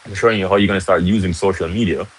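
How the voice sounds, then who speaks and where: A man's voice: low-pitched, steady tone, very fast, a little hiss or hum. A young man from Jamaica with a Jamaican accent, hosting a casual livestream and chatting to viewers, often tagging on "right?". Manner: chatty, repeats "right?", greets viewers mid-talk. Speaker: livestream host. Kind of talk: casual live-stream teaching. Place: in Jamaica, casual home setting.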